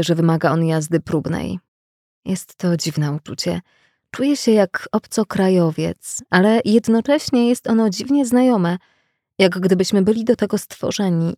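Woman, scripted self-help narration, measured reflective delivery, low mellow voice, dry close sound. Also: dry recording.

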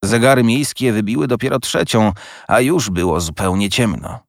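Male audiobook narrator, low voice, expressive, dry sound. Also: moderate pace, no echo. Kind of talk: scripted narration.

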